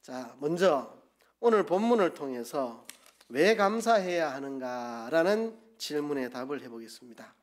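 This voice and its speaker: A man's voice: a little high, animated, measured pace. A man with a Gyeongsang accent preaching a sermon as pastor, asking the congregation questions and leading them in call-and-response. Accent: Gyeongsang Korean.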